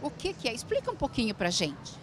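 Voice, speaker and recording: A woman's voice: fairly high pitch, huge pitch swings, fairly quick, a little hiss or hum. A middle-aged woman hosting a variety show, interviewing a guest with a handheld mic in a big event hall, chatty and complimentary. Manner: chatty, warm compliments, laughs. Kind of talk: casual interview chat. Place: large indoor event hall.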